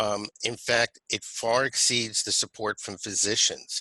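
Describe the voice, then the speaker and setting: Speaking in a New Jersey accent, a man with a medium pitch and a bright, sharp tone moves at a fairly slow pace, the sound dry and close with no echo against a quiet background. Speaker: physician. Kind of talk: webinar comment.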